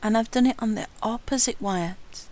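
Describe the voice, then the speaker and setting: A woman, calmly talking through a hands-on wire jewelry tutorial as she works. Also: a little high, a little fast, rough recording. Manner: calm, careful, talks while working with hands. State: has hiccups. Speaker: jewelry-making instructor. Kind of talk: hands-on craft tutorial narration.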